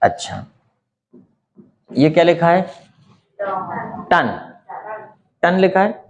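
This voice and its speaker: A man whose first language is Hindi, teaching a spoken English lesson and explaining slowly with many rhetorical questions. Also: on the high side, big pitch swings, darkish tone, dull audio.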